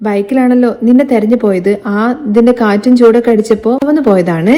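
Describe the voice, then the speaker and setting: A woman's voice: a little high, fast talker, dark tone, natural voice. A woman reading a worried, defensive young husband's lines in her own voice, retelling a TV serial. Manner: defensive, explaining.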